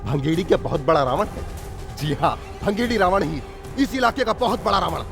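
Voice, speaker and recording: Arrogant village bully villain, high voice, menacing dubbed movie style, music behind. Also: male voice, animated, fairly quick, creaky. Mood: gloating menace. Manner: threatening, boastful. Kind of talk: dubbed Indian film acting.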